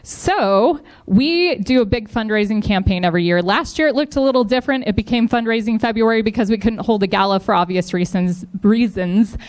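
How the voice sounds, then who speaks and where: A woman's voice: mid-range voice, brisk, hardly any pauses. A woman giving an upbeat, encouraging speech at a live community event, thanking donors and promoting a fundraiser. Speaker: foundation representative speaking at a district event.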